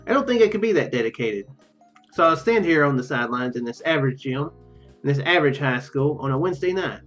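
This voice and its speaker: A man doing casual game commentary and reading visual novel text aloud, rambling, halting and often correcting himself. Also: a little high, expressive, a bit bright. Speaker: let's play video host. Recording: muffled lo-fi mic, music behind. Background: game music.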